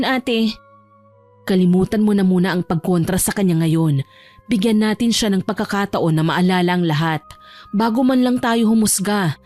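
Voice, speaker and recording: A woman voicing a calm, protective older sister in an audio drama, speaking in a measured, admonishing and soothing way. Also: mid-range voice, natural voice.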